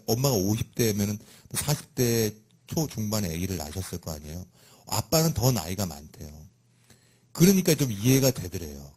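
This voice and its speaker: A middle-aged man preaches a sermon in a fairly low, husky voice. He tells a personal story in a lively way. His voice often leaps up high and loud for emphasis. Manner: animated storytelling with sudden loud emphatic rises. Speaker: pastor.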